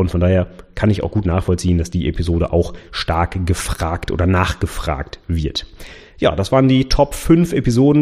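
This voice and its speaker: A man at a fairly quick pace, dark and mellow in tone, with lively intonation. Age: 30s. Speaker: podcast host, IT trainer. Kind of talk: solo podcast monologue answering listener questions. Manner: casual, conversational with fillers.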